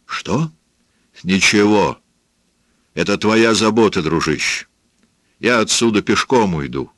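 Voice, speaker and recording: A man's voice: lowish voice, slow, a bit bright, no echo, pitched above the performer's own voice. A man voicing a weary young soldier. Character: weary young American soldier, tired and irritable.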